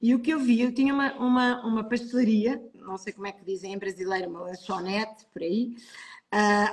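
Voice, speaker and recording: A woman's voice sits at a fairly high pitch, varying in an ordinary way. She keeps a moderate pace. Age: 50s. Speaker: pharmacist. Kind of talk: interview.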